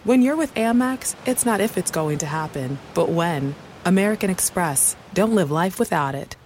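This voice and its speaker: A contented mother voiced by a woman in a commercial. She talks with easy wryness in a lower-set, very expressive voice. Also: moderate pace, slight background noise, natural voice. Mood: pleased, wry. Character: contented travelling mother in an advertisement. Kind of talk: conversational commercial voice-over.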